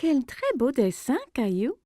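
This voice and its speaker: A woman voicing a gentle, caring mother in a children's cartoon, speaking tenderly and encouragingly. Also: high voice, very animated, unhurried, no echo, faint music behind, full character voice.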